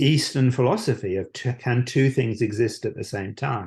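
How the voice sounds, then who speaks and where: Somewhat breathy, a man speaks at a fairly slow pace with lively intonation against a quiet background. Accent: British. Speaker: Chinese medicine practitioner and author. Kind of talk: interview.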